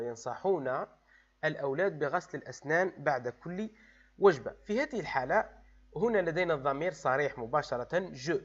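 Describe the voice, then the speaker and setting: A man, a French teacher who explains grammar exercises to pupils, switching between French and Arabic and spelling out word endings letter by letter. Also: fairly high pitch. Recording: dull, lo-fi sound.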